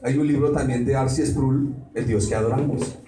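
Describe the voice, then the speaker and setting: A man's voice: mid-range voice, fairly even intonation, moderate pace, mellow. A man, a pastor preaching a sermon and putting rhetorical questions to the congregation. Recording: roomy hall, mic at a distance, faint noise.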